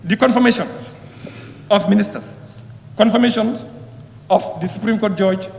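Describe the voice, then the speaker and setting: A man's voice: sits high, normal speed, gravelly, slight background noise. A man giving an impassioned parliamentary speech, repeating phrases and firing rhetorical questions. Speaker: member of parliament. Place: parliament chamber. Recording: echoey hall with long reverb.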